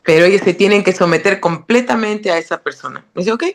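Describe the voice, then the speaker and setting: A woman's voice: mid-range voice, fast talker. A woman in a casual conversation, recounting what someone told her and quoting his words.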